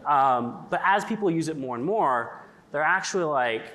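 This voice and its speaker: A man's voice: fairly high pitch, animated, moderate pace, a bit bright. Guy on a conference panel, chatty, lots of likes and ums, english his first language. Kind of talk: casual panel talk. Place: conference stage.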